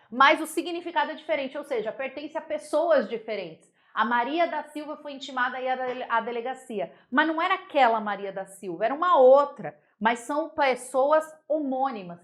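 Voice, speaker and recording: A young Brazilian woman teaching a grammar class in a relaxed, chatty way. Her voice sits a little high, and she stays animated as she explains. She keeps stopping to check that everyone is following. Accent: Brazilian Portuguese. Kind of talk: casual exam-prep grammar lesson.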